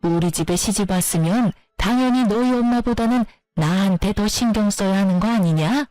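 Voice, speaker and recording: A woman's voice: mid-range voice, moderate pace, warm tone, no echo, faint music behind, natural voice. A woman voicing a contemptuous middle-aged mother-in-law who berates and insults her daughter-in-law. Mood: scornful.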